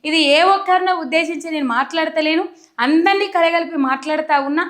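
Speaking quickly in an extremely high voice, a young Telangana woman with a Telangana Telugu accent addresses the camera directly. Her political commentary is earnest and emphatic.

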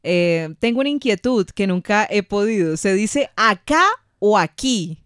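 Colombian lady hosting radio, reads listener questions, quick okays, dry mic. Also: mid-range voice, animated, clear, resonant tone, dry recording. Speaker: radio host. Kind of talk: radio show chat. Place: radio studio.

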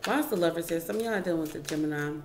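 In a deep voice and at a racing pace, a woman rattles through a casual tarot reading at her wooden table at home. She chats with viewers as "y'all" and muses aloud over each card; the room echoes and there's background noise.

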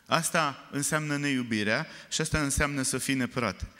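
A man preaching a sermon, telling stories with animated, often loud emphasis, recorded in a church. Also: medium pitch. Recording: reverberant church hall.

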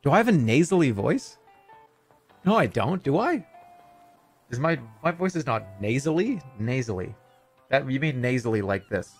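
A man's voice: mid-range voice, normal speed, pauses often, slightly rough, faint music behind. A man in his thirties streaming from home, rambling and swearing as he chats, on a desk mic. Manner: animated, rambling, swears a lot. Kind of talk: casual livestream chatter.

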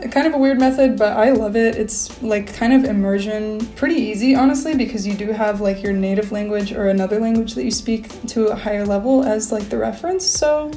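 A young woman in her twenties, a native English speaker, films a casual talking-head vlog in a small bedroom. Her medium-pitched voice moves briskly with few pauses, chatty and full of fillers, while she gestures animatedly to the camera and faint music plays behind her.

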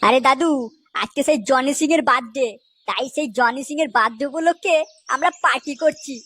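Woman voicing a high, cheeky cartoon prankster. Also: a little fast, fairly bright tone. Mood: excited. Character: cheeky, scheming young prankster with fake politeness. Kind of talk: comedy cartoon voice acting.

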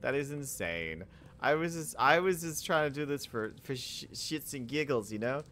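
Lively rambling young gamer guy. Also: medium pitch, slight background noise. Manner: rambling, self-mocking, quick to laugh and exclaim. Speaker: gaming YouTuber. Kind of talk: casual let's-play commentary.

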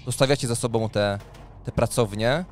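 Male game master, mid-pitched, halting improvised storytelling with repeated words. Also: soft background music. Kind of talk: improvised narration of a tabletop role-playing game. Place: indoor streaming room. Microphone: microphone on boom arm, close, with headphones.

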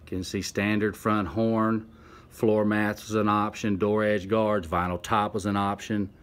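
Low-voiced man explaining an old car. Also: level tone, measured pace, a bit bright. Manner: plain, explanatory, methodical. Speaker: classic car appraiser and channel host. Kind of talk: walkaround narration while filming. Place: old open barn, indoors and out. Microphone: handheld phone camera.

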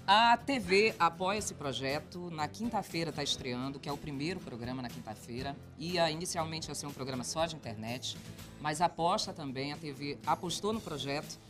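Upbeat male presenter pitching a new show, music in the background. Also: lively intonation, moderate pace. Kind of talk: promoting a TV program. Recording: TV studio with music behind.

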